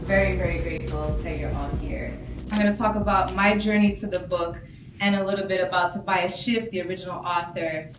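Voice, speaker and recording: A woman translator speaking to a live audience, warm and grateful. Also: lowish voice, steady tone, fairly quick, distant mic. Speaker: translator giving a talk. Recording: roomy event space with faint music.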